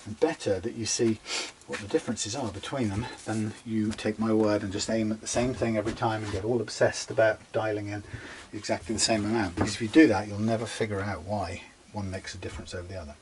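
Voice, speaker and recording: A man talking casually through a guitar setup in his workshop, rambling and chatty, muttering quietly as he works. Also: lowish voice, steady tone, quick pace, hardly any pauses, noisy background. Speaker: guitar repair demonstrator. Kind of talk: casual workshop how-to talk.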